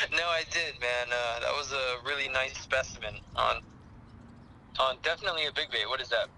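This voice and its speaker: Deadpan man heard over a speakerphone. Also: mid-range voice, normal speed, creaky, long pauses, a little hiss or hum, rough recording. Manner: dry, deadpan joking. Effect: speakerphone call. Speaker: guest bass fishing expert. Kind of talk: casual phone conversation.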